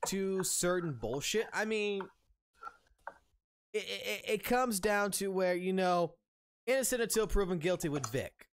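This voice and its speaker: A man's voice: sits high, a bit bright, a little hiss or hum. Profane ranting man in his thirties. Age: 30s. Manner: profane, heated, rambling with restarts. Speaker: streamer. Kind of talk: ranting open discussion.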